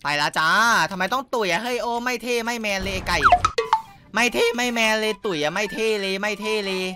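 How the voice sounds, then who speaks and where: A young man giving excited, crude gameplay commentary as a streamer, boasting and shouting at opponents. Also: sits high, brisk, heavy background noise. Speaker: gaming streamer. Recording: music heard clearly behind the voice. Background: game music.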